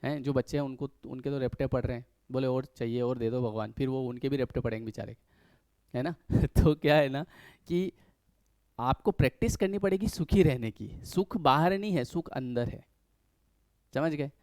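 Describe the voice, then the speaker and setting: A man with a mid-range, darkish voice gives viewers a casual motivational talk as a life coach, speaking at a moderate pace on a dry recording. He keeps it conversational and acts out little everyday scenes in other voices.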